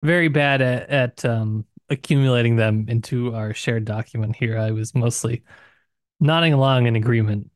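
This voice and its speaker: A man's voice: mid-range voice, normal speed, dry recording. Guy chatting thoughtfully about a book, mid-range voice, really dry recording. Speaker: podcast co-host.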